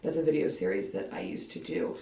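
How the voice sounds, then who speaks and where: A woman's voice: rumbling low, lively intonation, brisk, gravelly, warm tone. A woman in her late twenties from Ohio, talking casually to camera in a rambling, chatty vlog style, filling her sentences with "like". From Ohio, United States. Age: 20s. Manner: chatty and rambling, frequent filler "like". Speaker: vlogger. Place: small bathroom, indoors. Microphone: camera mic a few feet away. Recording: echoey bathroom, distant dull camera audio.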